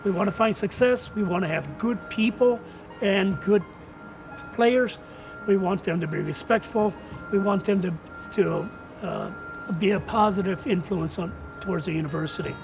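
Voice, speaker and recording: Older man, high-pitched gravelly voice. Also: moderate pace, music in the background, low-quality recording. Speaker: retiring college soccer coach. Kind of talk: reflective interview answers.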